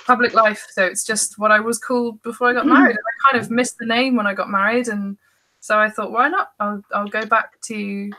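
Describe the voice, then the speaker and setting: A woman's voice: on the high side, fairly even intonation, brisk, pushed and bright, poor audio. A woman speaking as a guest author in casual, informal, self-deprecating podcast conversation.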